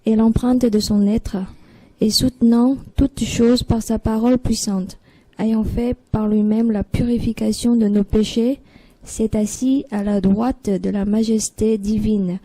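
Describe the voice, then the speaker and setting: Woman, non-native French accent, careful scripture reading, dark mellow tone, dry sound. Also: on the high side, fairly even intonation, measured pace, no room sound, low-quality recording. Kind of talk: reading aloud.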